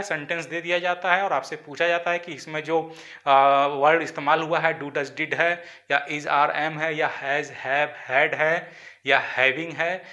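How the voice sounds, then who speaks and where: A man's voice: a little high, pushed and bright. A man teaching an exam-prep grammar lesson, explaining step by step, repeating points and often checking in with "okay". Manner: mixes English terms into Hindi explanations.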